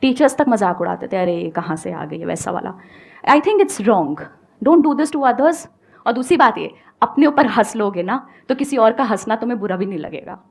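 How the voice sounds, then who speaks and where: Brief: confident Indian-accented woman, slightly high voice, emphatic motivational talk to an audience. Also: animated, normal speed, gravelly, slightly rough. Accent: Indian English. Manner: emphatic, mixing Hindi and English. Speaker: guest speaker.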